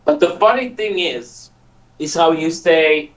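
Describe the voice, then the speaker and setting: A man chatting casually on a call with an unhurried, halting delivery. He drags out his phrases and breaks into laughter between them. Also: on the high side, animated, noisy background. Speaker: guest on a call. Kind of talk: casual chat.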